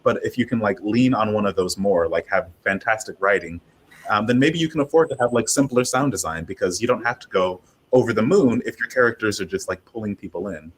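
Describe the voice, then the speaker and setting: A man with a low, somewhat husky voice talks casually in a panel discussion. He explains things conversationally, often dropping in "like" as a filler. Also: a little fast. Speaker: panelist, audio drama maker.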